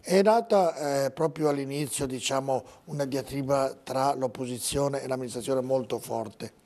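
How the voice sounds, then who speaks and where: A male TV host with a Veneto Italian accent leads a studio interview. He speaks at a middle pitch in a chatty way. He cuts in politely and likes to tease his guest. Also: moderate pace, a little mellow. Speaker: TV talk show host.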